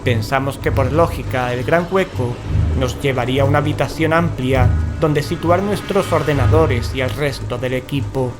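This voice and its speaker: A man's voice: mid-range voice, moderate pace, close to an everyday voice. A man playing a frightened paranormal investigator in a horror audio drama, telling of a haunted house with dramatic unease. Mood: ominous narrating. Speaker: narrator and character in an audio drama. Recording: music behind the voice.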